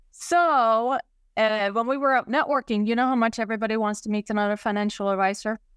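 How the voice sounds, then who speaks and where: Against a quiet background, a woman with a Swedish accent talks at a very fast pace, her pitch varying in an ordinary way. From Sweden. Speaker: author and building cost auditor. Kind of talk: interview.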